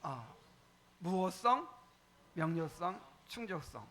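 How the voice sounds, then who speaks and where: A male pastor gives a catechism sermon in a bright, high voice. He asks the congregation questions and repeats key points for emphasis. His pitch swings widely, and pauses and fillers break up his speech. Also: big pitch swings.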